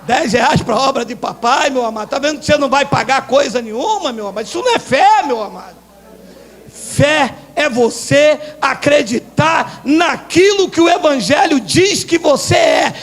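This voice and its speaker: Male Brazilian pastor mid-sermon, unusually high voice, loud and playful. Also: expressive, moderate pace. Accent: Brazilian Portuguese. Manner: preaching with frequent shouting and playful asides.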